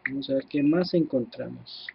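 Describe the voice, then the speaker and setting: A man with a Mexican accent giving casual, excitable gameplay commentary, swearing freely and talking to his viewers. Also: mid-range voice, moderate pace, creaky, highs cut off, noisy background. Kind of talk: casual let's-play commentary.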